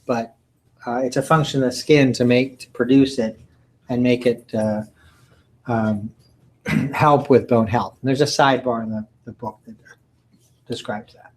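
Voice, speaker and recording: A man giving a recorded lecture from slides, halting often with ums and uhs and clearing his throat. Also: medium pitch, rough recording. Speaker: college lecturer.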